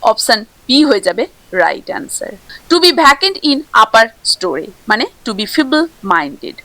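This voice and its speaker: Bengali-accented woman teacher going over exam answers, bright lively voice, dry close sound. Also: fairly high pitch, dry recording, rough recording. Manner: reads questions slowly in English, explains quickly in Bengali. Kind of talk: exam question walkthrough.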